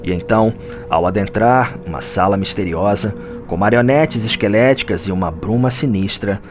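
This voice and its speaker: A man's voice: on the low side, normal speed. Brazilian man narrating dramatically over music. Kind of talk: dramatic scripted narration of a game story.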